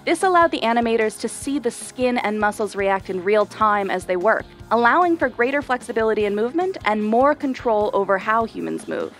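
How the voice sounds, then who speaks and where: Woman narrator, high voice over music. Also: lively intonation, brisk, few pauses. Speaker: narrator of an explainer video. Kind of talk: scripted narration.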